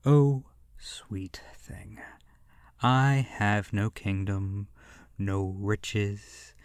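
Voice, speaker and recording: A man's voice: lowish voice, a little mellow, no room sound, clean studio sound. A man voicing a sadistic, bored immortal vampire in a horror roleplay audio, languid and condescending, with theatrical delivery that slips into whispers. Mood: menacing, condescending.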